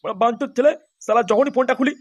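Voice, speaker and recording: A man's voice: very high-pitched, fairly even intonation, rapid-fire, muffled recording, a crowd in the background. A man voicing an angry, foul-mouthed husband in a crude comedy cartoon, scolding aggressively. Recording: very noisy cartoon soundtrack.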